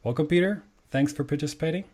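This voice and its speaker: German male host, native German speaker, mellow timbre, enthusiastic casual interviewer. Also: on the high side, fast talker. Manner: enthusiastic, says "awesome" often.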